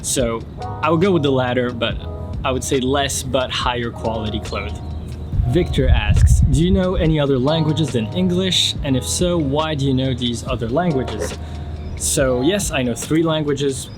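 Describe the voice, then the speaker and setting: Young man from France hosting a casual fashion Q&A, relaxed and chatty, clear background music underneath. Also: medium pitch, normal speed. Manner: relaxed, reads questions aloud then answers at length. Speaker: fashion YouTuber. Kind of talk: casual Q&A vlog.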